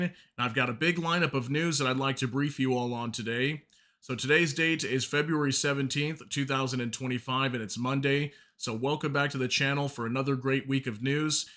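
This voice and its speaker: A man with a mid-pitched, bright, forward voice hosts a casual news update. He sounds slightly hoarse from a sore throat. He talks to viewers informally and apologizes when he stumbles over hard names. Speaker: news channel host. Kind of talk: casual war news briefing.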